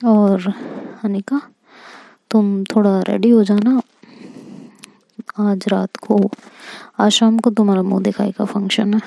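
A woman's voice: medium pitch, little pitch movement, slow, creaky, pauses often, dark tone, no echo. A woman voicing a stern but affectionate middle-aged mother-in-law in a whispered role-play of a love story. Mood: brisk. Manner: scolding yet affectionate.

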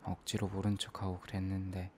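Man, ASMR role-play, remorseful boyfriend, soft hesitant murmur, very even intonation, noticeable background noise. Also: deep voice, a little fast. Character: apologetic, self-blaming young boyfriend murmuring to sleeping girlfriend.

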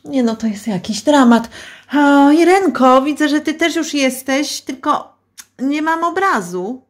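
A woman's voice: sits high, animated, a little slow. A woman acting a flustered organiser of a home recording in a radio play, fretful and repeating her words.

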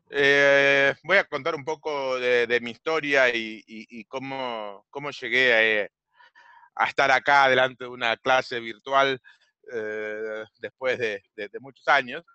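A man in his forties with an Argentine Rioplatense accent, giving a virtual coaching class on a video call with a headset, halting with many fillers and repeated words. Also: medium pitch, sharp tone, clear, resonant tone, dry recording. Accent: Rioplatense Spanish. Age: 40s. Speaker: online business coach. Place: home room on a video call.

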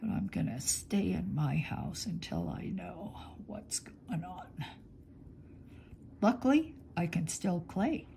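Off screen while an overhead camera shows her hands, a middle-aged clay artist works and talks slowly in her home studio, thinking aloud. Her voice is on the low side, gravelly and warm with lively intonation, a little congested and sniffly, with slight background noise.

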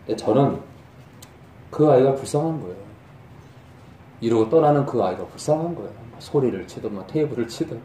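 A middle-aged male pastor giving a sermon in a conversational, animated way that rises to emphatic peaks. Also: medium pitch, fairly quick, long pauses, recorded from a distance, slight background noise. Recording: echoey room from off mic.

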